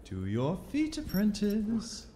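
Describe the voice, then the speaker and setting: An actor playing a stern, contemptuous sorcerer interrogator in a fantasy audio drama, imperious, menacing and deliberate. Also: male voice, high-pitched, wildly swooping pitch, mellow, heavily acted. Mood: menacing contempt. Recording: long echoing reverb, noisy ambience.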